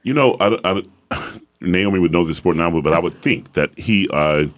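A man from the American South, an opera singer with a very deep voice, talking as a guest in a relaxed roundtable conversation. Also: normal speed. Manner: relaxed storytelling, laughs easily.

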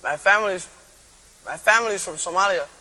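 A young man from Kenya telling his own story as a former student, in a plain, steady way. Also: high voice, fast, in a large hall, low-quality recording. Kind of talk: recorded personal testimony.

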